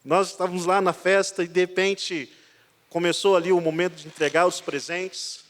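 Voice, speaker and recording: A man, a pastor, preaching a sermon as a lively storyteller, swinging between loud and quiet passages. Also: high voice, normal speed. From Brazil. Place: church sanctuary. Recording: church hall reverb.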